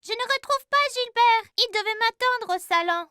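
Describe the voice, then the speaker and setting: An actor voicing a sensitive, cheerful four-year-old boy in a children's cartoon, childlike and expressive. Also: extremely high pitch, normal speed, no room sound, clean studio sound. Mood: worried.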